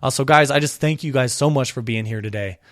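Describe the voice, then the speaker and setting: A man's voice: a little fast, no echo, clean studio sound. Fired-up man ranting on his podcast. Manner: impassioned ranting, pitch climbing when worked up. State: slightly hoarse from a cold. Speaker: podcast host. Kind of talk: solo podcast commentary.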